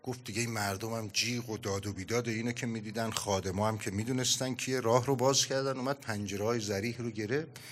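A middle-aged man preaching a sermon, telling a story with animated storytelling and acted-out dialogue. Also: fairly low pitch, a little hiss or hum.

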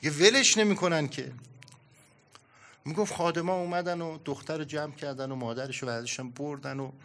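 A middle-aged man preaching a sermon, telling a story with animated storytelling and acted-out dialogue. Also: on the high side.

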